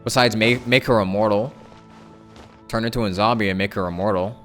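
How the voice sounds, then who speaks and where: A man chatting casually on a game livestream, thinking aloud in a halting way and repeating his phrases. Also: fairly low pitch, fairly even intonation, fairly bright tone, faint music behind. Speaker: game streamer. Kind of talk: casual livestream chat with viewers.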